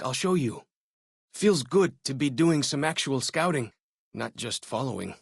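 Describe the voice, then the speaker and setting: Clear-voiced, curious young tribal scout. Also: male voice, medium pitch, no echo, clean studio sound. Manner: folksy, chatty, inquisitive, easygoing phrasing. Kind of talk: video game companion dialogue.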